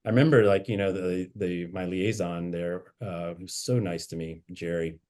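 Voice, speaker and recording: A man's voice: low-pitched, fairly even intonation, normal speed, a little mellow. A man, a bishop, reflectively telling anecdotes from his life in a conversational interview. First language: English. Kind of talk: interview storytelling.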